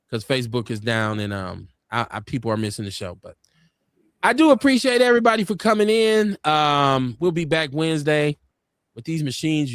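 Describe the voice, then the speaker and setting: A man's voice: no room sound, studio quality. A man with an urban Black American accent who hosts a live online talk show, speaking casually, turning preachy as he makes his points and reading viewer comments aloud. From United States. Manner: animated, preachy, leaps up high in pitch to make points.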